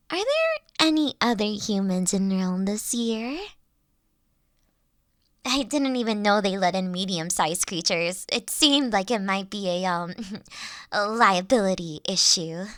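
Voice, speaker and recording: Woman doing a giant dorky dragon college girl for an audio roleplay, high voice, slow pace, bubbly n awkward, friendly. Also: a bit bright, no echo, clean studio sound. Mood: curious, playful. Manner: bubbly, awkward, hesitant, giggly. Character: huge, nerdy, friendly young female dragon college student. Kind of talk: roleplay audio drama addressed to the listener.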